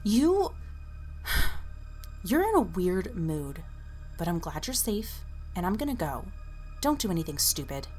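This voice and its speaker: An actress playing an intense, defensive and protective young waitress in an audio drama, speaking bluntly and insistently. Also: female voice, on the low side, sing-song, takes it slowly, pauses often, darkish tone, faint music behind. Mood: exasperated. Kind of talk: animated audio drama acting.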